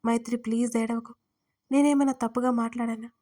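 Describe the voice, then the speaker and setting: An anxious, soft-hearted man in his thirties, pleading and then standing firm, as a woman reads his lines in an audio story. The voice sits fairly high, with a narrow, even pitch. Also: a little fast, natural voice. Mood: worried. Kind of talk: audiobook character reading.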